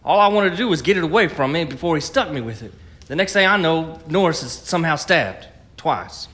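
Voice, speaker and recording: Radio drama: hunted frontiersman, male actor, tense bright voice, stammering, evasive, stubborn. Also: a little high, animated, brisk. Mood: anxious, evasive. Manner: stammering, pleading, argumentative.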